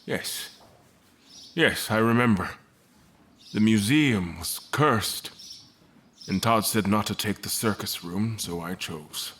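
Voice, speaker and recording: Slow, low-voiced frightened captive. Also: male voice, a bit bright, a little hiss or hum. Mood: shaken, halting. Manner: halting, hesitant, plainspoken. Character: frightened, confused captive man, wary and defiant. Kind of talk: audio drama acting.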